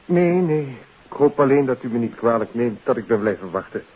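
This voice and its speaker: A thin, band-limited vintage radio recording of an uneasy young man. His voice is very husky, and he justifies himself politely and anxiously in 1950s radio drama style. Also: mid-range voice, lively intonation, fairly quick, phone-quality sound. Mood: apologetic, uneasy.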